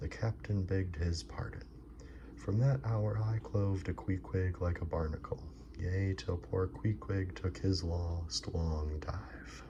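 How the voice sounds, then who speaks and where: A soft-spoken man with a very deep, low pitch talks at a very slow pace with hardly any pauses as noticeable background noise runs underneath. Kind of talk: ASMR audiobook reading of a classic novel. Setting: some ambient background noise.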